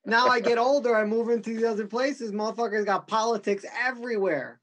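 A man's voice: extremely high pitch, a little fast, fairly bright tone. A man from Brooklyn, hosting a casual podcast chat in blunt, profane street talk. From Brooklyn, New York.

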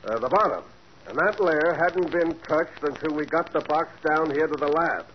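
An actor playing a brisk, friendly police sergeant in a 1940s radio drama. His voice sits fairly high and he reports facts matter-of-factly. The sound is a dull old broadcast with a faint hiss. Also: close to an everyday voice.

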